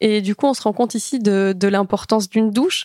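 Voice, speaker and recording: A woman with an unremarkable speaking voice talks at a fairly quick pace in a fairly high pitch, with ordinary pitch variation and a dry, close sound with no echo. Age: 20s. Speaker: vanlife content creator. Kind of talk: podcast interview.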